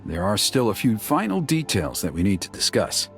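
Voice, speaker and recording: An actor playing a dignified, resolute tribal official in a video game, speaking in a measured, formal and earnest way. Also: male voice, lowish voice, huge pitch swings, soft background music. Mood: grateful. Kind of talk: video game character dialogue.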